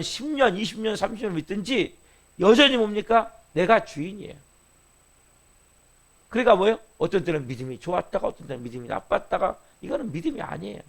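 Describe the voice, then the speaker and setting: Gravelly high-voiced man preaching. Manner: preaching with constant rhetorical questions to the congregation; sudden swings between loud emphasis and soft asides. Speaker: pastor. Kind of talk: early-morning sermon.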